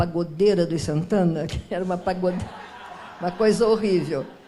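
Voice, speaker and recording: A woman talks at a fairly quick pace. Noticeable noise sits in the background. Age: 80s+. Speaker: author. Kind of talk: book launch conversation. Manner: halting, many restarts.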